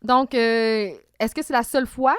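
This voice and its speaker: A woman's voice: fairly high pitch, steady tone, a little slow, clear, resonant tone, dry recording, clean studio sound. A woman with a Quebec French accent, co-hosting a casual podcast and explaining things at length with many fillers. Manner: explanatory, talks through detail with fillers. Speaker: podcast co-host. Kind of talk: casual episode recap chat.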